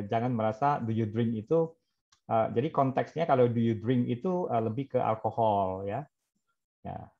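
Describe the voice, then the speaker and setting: Brief: male trainer, keeps asking the class questions, drops in English example lines, dull lo-fi audio. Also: mid-range voice. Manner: quizzes trainees, mixes in English example phrases. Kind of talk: interactive online class.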